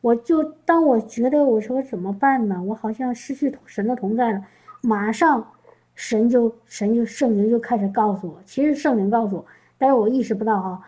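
High mellow woman preaching a testimony, keeps asking the church stuff. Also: normal speed, poor audio. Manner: emotional, repeats words, asks listeners questions. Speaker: church speaker. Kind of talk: testimony sermon.

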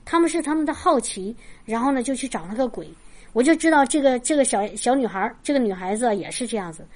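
Woman, somewhat high voice, warm retelling of a faith encounter, lively delivery with restarts. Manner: acts out quoted dialogue. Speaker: Christian speaker sharing a testimony. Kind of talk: personal storytelling, casual.

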